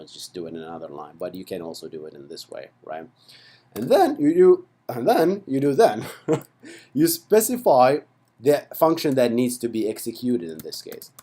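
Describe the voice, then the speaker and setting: A man walking through code in a relaxed screen-recorded lesson. His pitch rises and falls a lot as he talks, and his tone is mellow and dark. He chats along playfully and keeps checking in with the viewer. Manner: chatty and playful, with frequent "right?" and "okay" asides. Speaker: programming instructor. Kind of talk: casual screen-recorded coding tutorial.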